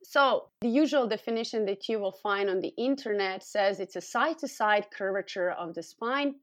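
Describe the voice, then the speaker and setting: A woman's voice: medium pitch, no echo. A woman from Serbia with a Serbian accent, speaking as an expert guest and explaining things in an interview. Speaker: guest expert, scoliosis clinic founder and physiotherapist.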